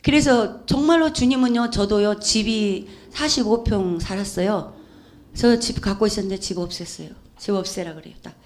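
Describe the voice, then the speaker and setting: A woman preacher delivers a heartfelt church testimony. She moves between fervent, loud exhortation and quiet, intimate storytelling. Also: mid-range voice, moderate pace, a little hiss or hum. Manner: fervent, swings from loud urging to hushed storytelling. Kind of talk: emotional church testimony sermon.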